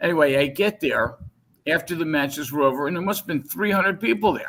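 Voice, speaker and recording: Speech rushes along very fast. The pitch shifts in an ordinary way. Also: man, fairly high pitch for a man. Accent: American. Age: 70s. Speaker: wrestling promoter and financial advisor. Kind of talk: interview storytelling.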